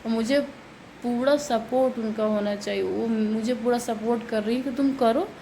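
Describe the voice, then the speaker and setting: A woman, her voice sitting a little high. She chats in a rambling way as she cooks and explains each step, recorded in a home kitchen with faint household noise behind her. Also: steady tone, moderate pace, dark tone, rough recording. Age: 30s. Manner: chatty, rambling, explains steps while working. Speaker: vlogger. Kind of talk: casual home vlog while cooking.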